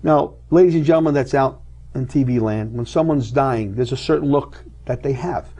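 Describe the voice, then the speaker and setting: A middle-aged man with a mellow, warm voice, a talk-show guest recounting a personal ordeal. He tells it dramatically, slipping into the lines of each person in the story at an even, ordinary pitch. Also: normal speed, slightly rough. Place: TV studio.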